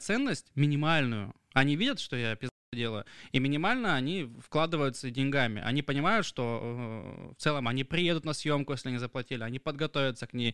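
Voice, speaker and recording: Speaking at a fairly quick pace, a man has an ordinary speaking voice at medium pitch with ordinary pitch variation. The recording is very clean, with a silent background. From Russia, Krasnodar region (Novorossiysk, Abinsk). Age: 20s. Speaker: videographer and producer. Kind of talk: casual chat. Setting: at home during a meal.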